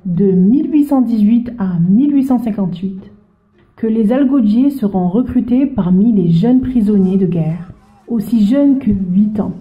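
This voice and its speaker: Woman history presenter, lively direct address, slightly dull sound, faint background music. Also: medium pitch, roomy sound. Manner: lively, speaks to the viewer directly. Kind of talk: narrated history explainer.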